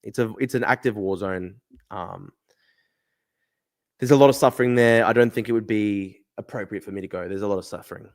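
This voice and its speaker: Brisk and on the low side, a young man's voice carries his casual livestream as he reads the chat. He's argumentative and blunt, cursing freely and circling back to the same phrases.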